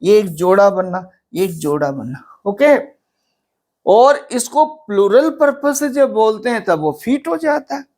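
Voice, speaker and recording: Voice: medium pitch, sing-song, measured pace, a little mellow. An English literature teacher giving an exam-prep lecture, patiently counting syllables aloud, asking rhetorical questions and mixing English terms into the explanation.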